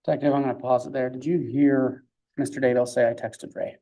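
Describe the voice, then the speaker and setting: A man speaking as a prosecutor in a courtroom, questioning formally in measured, halting phrases. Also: medium pitch, level tone, dark tone.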